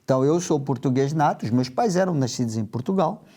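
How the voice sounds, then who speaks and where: A man's voice: mid-range voice, animated, fast talker, dark tone. An older man from Angola, a lawyer guest, talking in a joking, ironic way in a studio interview.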